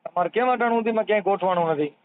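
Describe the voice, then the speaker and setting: A man's voice: high voice, rapid-fire, clean tone. A man with a Kathiawadi Gujarati accent asking teasing, persistent questions in a casual phone conversation. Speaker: social worker taking a phone call. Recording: tinny, narrowband phone call recording.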